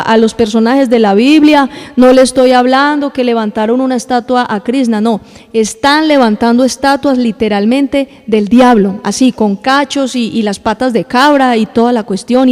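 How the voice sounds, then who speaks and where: A woman pastor delivers a sermon and turns often to the congregation, telling them what to say to the person beside them. Her voice sits high. A long church reverb trails behind every phrase. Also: darkish tone. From Colombia. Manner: addresses the congregation directly, acts out little scenes. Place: church hall.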